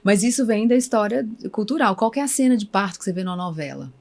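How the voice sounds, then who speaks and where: A Brazilian woman in her thirties talks quickly as a podcast guest. She tells stories with energy and acts out the things people said to her. Her pitch sits in the middle range. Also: gravelly. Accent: Brazilian Portuguese. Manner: animated storytelling, acts out remembered speech. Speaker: guest psychologist. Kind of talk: casual conversational interview.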